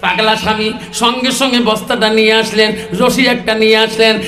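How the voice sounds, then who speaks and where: A preacher from chants his sermon in a high, ringing voice. He draws out his phrases in a melodic, sing-song flow, and the sound echoes through the preaching venue. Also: level tone, a little fast, bright, forceful tone. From Assam. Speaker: Islamic preacher.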